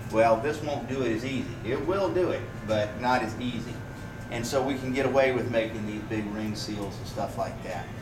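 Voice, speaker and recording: Over music in the background, a man talks at a moderate pace with ordinary pitch variation. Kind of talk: informal explanatory talk to a tour group. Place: workshop. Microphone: camera far.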